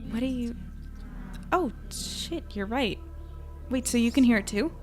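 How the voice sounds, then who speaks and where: A woman's voice: a little high, expressive, measured pace, a little mellow, soft background music. An actress playing a guarded young woman in a naturalistic audio drama, hesitant and understated. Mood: puzzled. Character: guarded young woman, new in town, independent.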